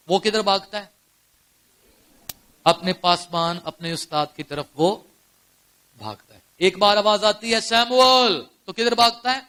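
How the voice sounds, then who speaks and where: Bright, high-voiced preaching pastor man. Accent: Pakistani. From Pakistan. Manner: preaching with rhetorical questions to the congregation; swings between quiet storytelling and loud exclamations. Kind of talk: sermon. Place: church service before a congregation.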